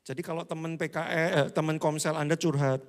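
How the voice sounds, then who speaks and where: A man preaching a casual, humorous sermon, acting out church members and swinging between loud and hushed delivery. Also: a little high, steady tone, a little fast. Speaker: pastor.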